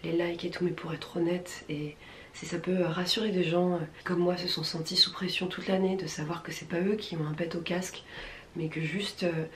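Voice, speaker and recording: Low, husky-voiced French woman with smoker's rasp. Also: level tone, normal speed, roomy sound, slight background noise. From France, from Rouen. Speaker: vlogger. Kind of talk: casual vlog chat.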